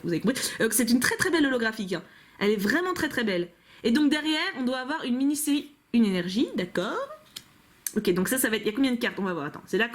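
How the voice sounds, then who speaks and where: A playful, chatty woman, casually commenting and joking as she opens card packs. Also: fairly high pitch. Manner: playful, chatty, giggly, jokes to herself. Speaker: YouTuber opening trading card packs. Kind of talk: casual commentary while unboxing.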